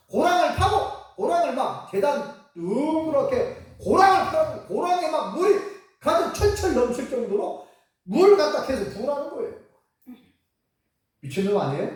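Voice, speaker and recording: Animated woman preacher in echoey church. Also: on the high side, recorded from a distance. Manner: animated, asks the congregation questions, acts out quotes. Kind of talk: storytelling sermon. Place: church sanctuary.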